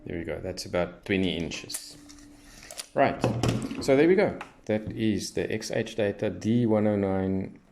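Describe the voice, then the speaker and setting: A man's voice: lowish voice, measured pace, darkish tone, a little hiss or hum. A man giving casual hands-on commentary as a radio hobbyist, thinking aloud as he tests. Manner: unscripted, thinking aloud while testing.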